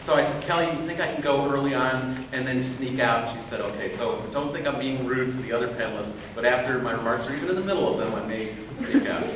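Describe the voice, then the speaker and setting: Amid noticeable background noise and audible room echo, a man talks at a very fast pace with hardly any pauses. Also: ordinary pitch variation. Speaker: international law panelist. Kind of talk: conference talk. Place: hall. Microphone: podium.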